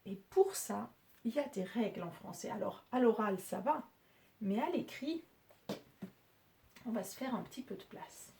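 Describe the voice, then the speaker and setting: A woman's voice: fairly high pitch, lively intonation, warm tone, a little hiss or hum. A woman teacher patiently explaining French spelling and syllables to pupils. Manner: slow, patient, clearly articulated explanations. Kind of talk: spelling lesson for children.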